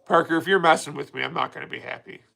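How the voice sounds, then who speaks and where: A man's voice: on the high side, fast, vocal fry, pushed and bright. A man in his late thirties hosting a casual livestream, talking candidly and rambling with frequent restarts as he answers viewer comments. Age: 30s. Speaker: livestream host.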